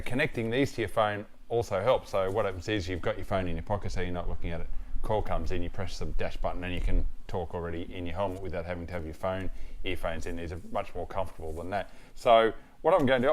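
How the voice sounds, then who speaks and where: An Australian man giving a casual product review as a motorcycle gear reviewer, plain-spoken and matter-of-fact. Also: low voice.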